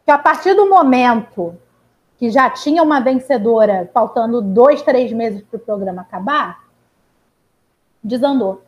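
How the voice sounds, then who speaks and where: Woman, podcast guest, wry humor, high voice. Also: animated, a little slow. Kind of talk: casual podcast chat.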